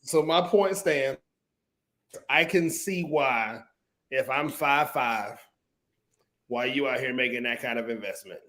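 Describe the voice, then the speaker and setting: A man's voice: medium pitch, slow pace, pauses often, fairly bright tone. A young man speaking AAVE, co-hosting a podcast in casual chat, emphatic and given to exaggeration. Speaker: podcast co-host.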